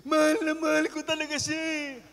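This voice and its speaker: A man's voice: very high-pitched, completely flat delivery, moderate pace, creaky, a bit bright, pitched above the performer's own voice, heavily acted. A pastor putting on a whiny lovesick young man. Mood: pleading. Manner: whiny, pleading. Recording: long hall reverb from a live event.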